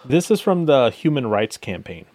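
Male co-host, mid-pitch, sarcastic, filler-heavy, dry close recording. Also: sing-song, normal speed, a little mellow, no echo. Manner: sarcastic, reads headlines and stats aloud with many fillers. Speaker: podcast co-host. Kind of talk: casual political commentary chat.

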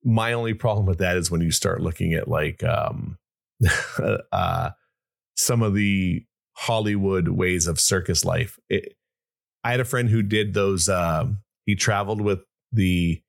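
A man's voice: deep voice, a little slow, creaky. A man hosting a podcast in casual chat, rambling with many restarts and fillers. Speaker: podcast host.

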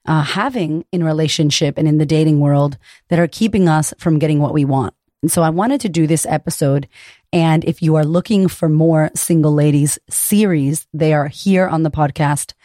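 A woman in her thirties with a low, raspy voice hosts her podcast as a confidence coach. Her tone is mellow and unhurried, and she talks straight to the listener in a frank, encouraging way, cursing now and then. The sound is close and dry. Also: no room sound. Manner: frank, profane and encouraging, addresses listener directly. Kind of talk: casual podcast monologue.

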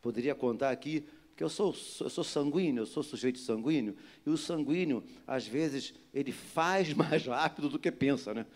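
A pastor with a Rio de Janeiro accent, preaching a sermon with lively storytelling that builds to loud, emphatic exhortation. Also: male voice, medium pitch, normal speed, hardly any pauses. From Rio de Janeiro area, Brazil.

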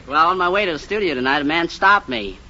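A man competing on a radio quiz show, telling a joke in a deadpan, halting way. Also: on the high side. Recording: dull old radio broadcast, heavy hiss, roaring audience.

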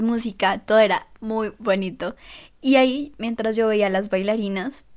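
A young woman from Colombia, a Catholic content creator, telling her own story in a lively, self-mocking way. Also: medium pitch. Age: young adult. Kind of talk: personal storytelling vlog.

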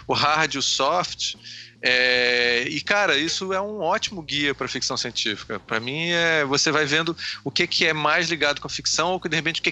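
A man with a Pernambuco accent, co-hosting a podcast in relaxed, chatty talk. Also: a little high. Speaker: podcast co-host. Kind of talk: casual podcast chat.

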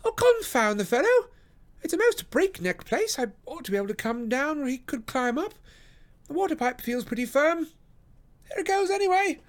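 A man voicing a brisk, commanding Victorian detective in an audiobook, crisp and directive as he gives instructions. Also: high-pitched, expressive, voice pushed up. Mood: shouting. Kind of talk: audiobook character voice.

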